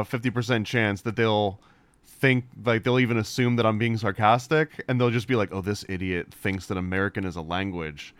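A man's voice: mid-range voice, fairly bright tone, clear, resonant tone, no echo. A man who is a guest on a casual podcast chat, joking in a wry, mock-stubborn way. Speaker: podcast guest, comic book creator.

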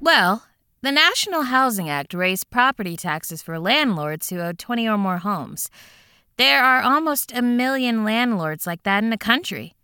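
Chipper caseworker, bright crisp voice, reassuring. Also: female voice, fairly high pitch, big pitch swings, unhurried, no echo, studio quality, heavily acted. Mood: businesslike. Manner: cheerful, reassuring, businesslike. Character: upbeat adult woman housing caseworker. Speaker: housing phone agent.

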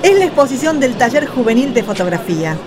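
A woman's voice: fairly high pitch, big pitch swings, fast, a crowd in the background. A woman with an Argentine accent in a conversational radio skit dialogue.

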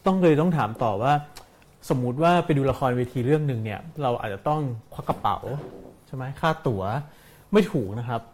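A man's voice: medium pitch, lively intonation, brisk, a little mellow, slight background noise. A man interviewing a guest, asking questions in an easygoing, joking way. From Thailand. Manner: easygoing, joking, uses many hmm fillers.

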